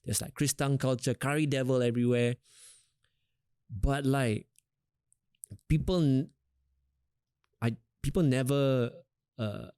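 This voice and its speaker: A young adult man from Singapore with a Singaporean English accent, a rapper talking casually in an interview, relaxed and rambling with lots of fillers. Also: mid-range voice, no room sound, studio quality.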